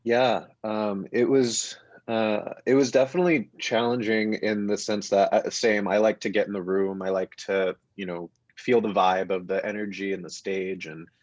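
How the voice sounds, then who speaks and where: A man's voice: lowish voice, level tone, normal speed, darkish tone. A man, an actor on a panel, chatting informally and restarting his thoughts midway. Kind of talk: casual panel conversation. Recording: slightly dull call audio.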